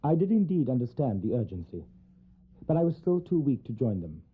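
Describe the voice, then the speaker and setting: A man playing a sober solicitor who narrates a gothic horror tale in a measured, formal manner. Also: medium pitch, very animated, slightly rough. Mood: sober, reflective. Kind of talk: scripted narration in radio drama. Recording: tinny narrow band, music behind. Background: music.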